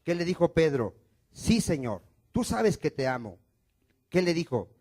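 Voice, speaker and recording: A man with a high voice preaches a sermon in church, questioning his listeners and answering himself. His delivery swings between loud, emphatic lines and quiet, falling endings. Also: big pitch swings, measured pace. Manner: call-and-response preaching, asks questions and answers them himself. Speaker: pastor.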